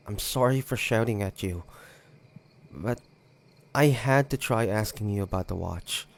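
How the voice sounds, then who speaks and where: A man acting in an audio drama as a bewildered, earnest character reliving his boyhood, speaking haltingly and full of questions. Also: on the low side, vocal fry. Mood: confused, searching.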